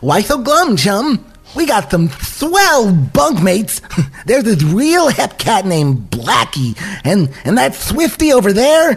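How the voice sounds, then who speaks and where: A cartoonish character voice at a fairly high pitch swings very widely in pitch while moving at a fairly slow pace. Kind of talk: zany cartoon voice. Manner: excited, rambling, upbeat.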